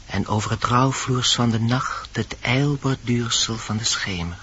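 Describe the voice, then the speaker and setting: An actor playing a solemn dwarf with a husky voice, summoning animals in declaimed radio-play verse. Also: male voice, mid-range voice, a little slow, over loud music, natural voice. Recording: dull old radio recording.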